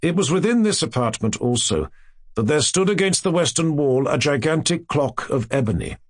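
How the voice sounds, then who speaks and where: A man reading a classic horror tale as an audiobook narrator, in a measured, theatrical storytelling manner with careful phrasing. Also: fairly high pitch, lively intonation, dry recording, clean studio sound. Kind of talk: dramatic literary horror narration.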